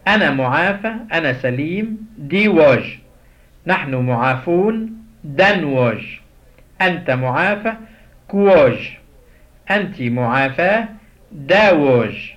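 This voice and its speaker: A man with an Egyptian Arabic accent gives a language lesson in a fairly high voice. He spells out each word slowly and repeats it for practice. The audio is dull and lo-fi. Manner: slow, drilled repetition of words. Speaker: Coptic language teacher.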